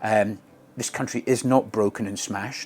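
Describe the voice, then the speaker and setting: A man's fairly low voice in a Scottish accent, at a moderate pace with fairly even intonation. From Scotland. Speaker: military medic and nurse. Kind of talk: interview. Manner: halting, many fillers and repetitions.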